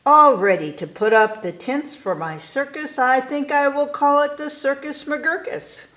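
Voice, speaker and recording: A woman voicing a boastful, excitable young boy showman in a storybook, with grandiose carnival-barker delivery. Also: high-pitched, unhurried, pitched above the performer's own voice. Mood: eager, scheming. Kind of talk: storybook read-aloud. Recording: echoey room.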